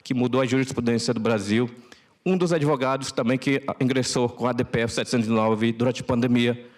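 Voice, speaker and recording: A man from Roraima, a Macuxi speaker, giving a solemn, deliberate speech to an audience. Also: mid-range voice, fairly even intonation. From Roraima, Brazilian Amazon.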